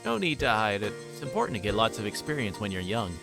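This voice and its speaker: A man's voice: fairly low pitch, very animated, fast, gravelly. A man voicing a genial, joking adult male photographer in a visual novel, over music. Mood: jovial teasing. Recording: music playing behind the voice.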